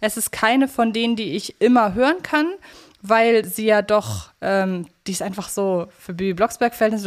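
A woman co-hosting a casual fan podcast, talking in a chatty, reflective way. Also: mid-range voice. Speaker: podcast co-host.

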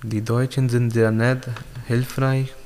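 A young man from Pakistan whose first language is Urdu, answering interview questions in simple, halting learner's German with many pauses. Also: medium pitch, level tone, a little mellow, in a large hall, a little hiss or hum. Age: young adult.

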